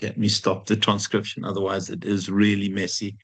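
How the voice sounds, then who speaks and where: A man's voice: fairly low pitch, completely flat delivery, brisk, vocal fry, breathy edge. A man with a heavy Afrikaans South African accent, lecturing a class informally and conversationally, often repeating himself and putting questions to the students. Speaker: university lecturer.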